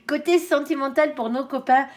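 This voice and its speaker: A woman gives a relaxed, chatty tarot reading, her voice sitting a little high. Her nose is stuffed up, so everything comes out nasal. She keeps dropping small fillers at the ends of her phrases. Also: unhurried. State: stuffy nose, coming down with a cold. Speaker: tarot card reader. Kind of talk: casual tarot reading to camera.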